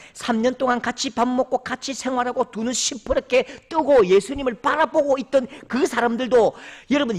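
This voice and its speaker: Pastor, male, very high-pitched, emphatic sermon delivery with dramatic swings. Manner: emphatic preaching, acts out voices and calls out scripture.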